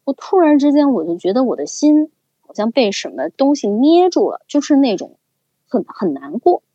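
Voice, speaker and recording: A young woman casually telling a story as a podcast co-host, with an animated, chatty manner. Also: high voice, normal speed, no echo. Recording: slightly dull, dry recording.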